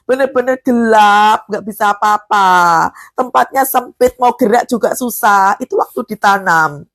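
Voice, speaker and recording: A woman, preaching a live devotional sermon, often putting questions to the congregation and rising high on emphatic words.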